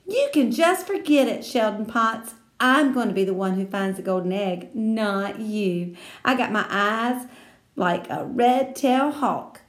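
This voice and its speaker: Woman voicing a bossy little girl in a storybook, firm and scolding, higher pitch, roomy echo. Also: very animated, measured pace, a little mellow.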